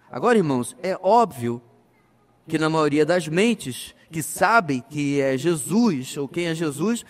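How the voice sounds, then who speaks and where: Emphatic pastor preaching in a reverberant church. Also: male voice, high-pitched. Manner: addresses the congregation as brothers, emphatic with slow pauses. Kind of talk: sermon.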